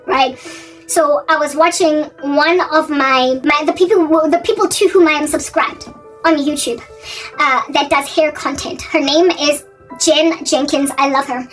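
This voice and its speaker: South African woman, 40s, high voice, rambling vlog talk, distant mic, faint music underneath. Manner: rambling, often correcting and repeating herself. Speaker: faith vlogger. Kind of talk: casual talking-head monologue.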